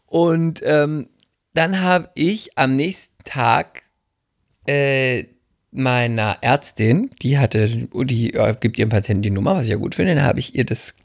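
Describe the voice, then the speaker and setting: A man's voice: medium pitch, unhurried, vocal fry, no room sound, studio quality. A man from the Palatinate, co-hosting a podcast, who tells stories animatedly and dramatically with self-mocking humor. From Palatinate, Germany. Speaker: podcast co-host. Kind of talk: casual chat.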